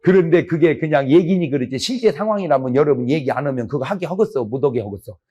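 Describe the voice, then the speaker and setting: A man's voice: fairly high pitch, animated, quick pace, warm tone, breathy edge, lo-fi sound. A middle-aged male pastor preaching a sermon, telling stories with humor and acting out the dialogue. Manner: comic storytelling, acts out dialogue.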